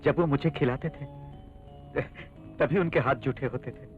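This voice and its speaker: A man's voice: medium pitch, moderate pace, close to an everyday voice. A man playing a loyal devoted younger brother. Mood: earnest. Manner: earnest, emotional. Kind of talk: Hindi film dub. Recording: tinny dubbed audio with music.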